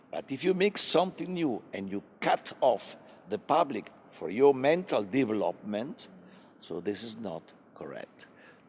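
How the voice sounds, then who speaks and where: A man with an Italian accent speaks at a fairly slow pace. His pitch swings very widely. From Italy. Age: 70s. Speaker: opera director. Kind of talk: interview.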